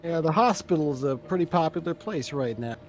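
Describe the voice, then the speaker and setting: A man's voice: on the high side, expressive, fairly quick. A man casually narrating his turn as a player in a tabletop board game.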